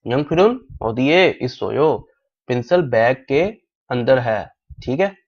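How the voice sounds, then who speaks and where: A man teaching a language class, slowly repeating drill phrases again and again as in a recorded lecture, with Urdu as his first language. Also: mid-range voice, animated. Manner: slow, repeats drill phrases many times. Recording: dull lo-fi recording.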